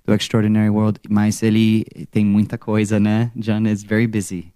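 A young man from California with an American accent, a musician answering interview questions in a second language, pausing and searching for words and slipping into English. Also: on the low side, monotone, dark tone, no echo, clean studio sound. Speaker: musician guest. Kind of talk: casual interview.

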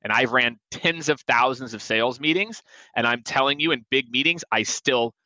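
A man's voice: medium pitch, moderate pace, sharp tone, no room sound, poor audio. A man in his forties, a sales expert guest on a podcast, giving emphatic advice and acting out quoted lines. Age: 40s.

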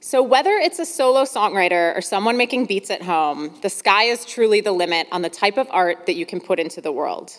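A woman hosting a podcast, speaking in an encouraging, emphatic way. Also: on the low side. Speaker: podcast host. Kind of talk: scripted monologue, then conversational interviewing. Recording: echoey hall-like reverb.

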